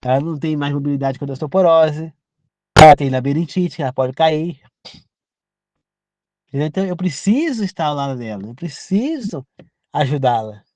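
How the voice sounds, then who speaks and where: A man's voice: a little high, lively intonation, normal speed, long pauses, darkish tone, no echo. A man from Brazil giving an informal sermon, earnest and repetitive, often turning to the listener with direct questions. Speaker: preacher. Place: rural home.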